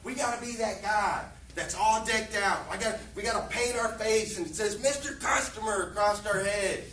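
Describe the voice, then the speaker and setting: A man's voice: high-pitched, moderate pace, sharp tone, a little hiss or hum. A man leading a staff meeting, giving a fired-up motivational talk and hammering his points home with short, repeated lines. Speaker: dealership leader at a staff meeting. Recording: echoey room, distant mic.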